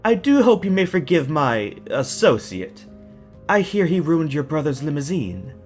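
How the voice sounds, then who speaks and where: Audio drama villain, male: slow, theatrical, mock-courteous menace, extravagant pitch swoops. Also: sing-song, a little mellow, faint music behind. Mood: gloating, falsely friendly.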